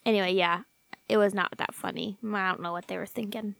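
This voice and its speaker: A woman chatting on a podcast, excitable and giggly, who sometimes trips over her words. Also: mid-range voice, a little fast, gravelly, no echo. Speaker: podcast co-host. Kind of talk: casual podcast chat.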